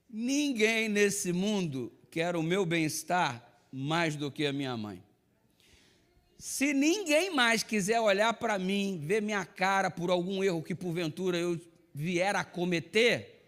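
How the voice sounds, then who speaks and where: High-voiced storytelling pastor. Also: male voice. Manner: lively storytelling, swings from loud to hushed. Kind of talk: sermon with personal anecdote.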